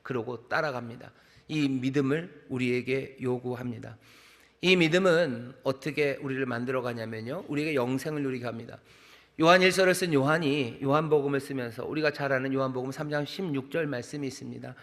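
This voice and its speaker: A man's voice: mid-range voice, brisk, a bit bright. A middle-aged man, a senior pastor, preaching a sermon in a conversational style, with rhythmic repeated phrases and rhetorical questions. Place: large church sanctuary. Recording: long reverb of a large hall.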